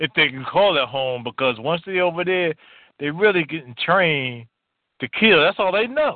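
A man at a moderate pace, his intonation lively. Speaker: caller. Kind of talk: phone call-in comment. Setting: phone call.

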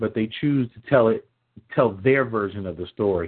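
The voice belongs to a man. He shows ordinary pitch variation. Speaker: podcast host. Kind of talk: casual chat. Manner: animated.

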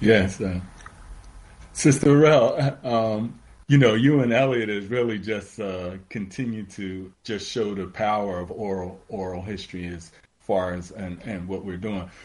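A man with an ordinary speaking voice talks at a fairly slow pace and a fairly low pitch. His pitch variation is ordinary, and his loudness swings widely. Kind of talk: radio talk discussion. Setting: phone call.

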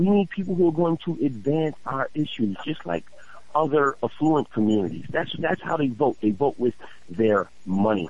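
The voice belongs to a man. It rises and falls across a very wide pitch range. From New York, South Bronx. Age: 30s. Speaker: lawyer and activist marcher. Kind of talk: phone interview. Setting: phone call.

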